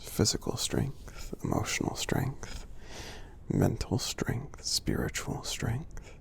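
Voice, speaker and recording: Man playing a gentle giant, deep gravelly half-whisper. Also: full character voice. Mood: gentle, reassuring. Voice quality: breathy, husky half-whisper with gravelly creak. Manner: slow, halting, soothing delivery. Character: gentle friendly male giant, kindly and reassuring. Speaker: ASMR performer. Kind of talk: ASMR affirmations roleplay.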